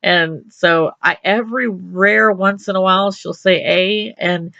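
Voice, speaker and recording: A woman's voice: medium pitch, steady tone, a little slow, creaky, pushed and bright, no room sound, dull audio. A middle-aged woman from Texas, a radio show host chatting with her guest in an upbeat, rambling way. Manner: chatty and upbeat, many restarts and laughs. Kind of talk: casual interview chat.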